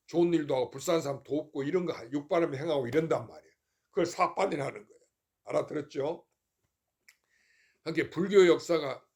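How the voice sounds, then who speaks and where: With a slightly high yet somewhat mellow voice, an older monk offers a casual Dharma sermon at the temple. Folksy and rhetorical, he keeps confirming that the audience has grasped his point.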